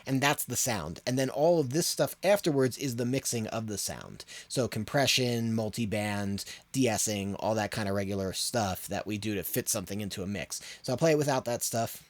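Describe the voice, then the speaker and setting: A man's voice: fairly low pitch, animated, normal speed, hardly any pauses, dry recording. A man hosting an audio tutorial, explaining in an informal, rambling way as he thinks aloud. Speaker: audio production tutorial host.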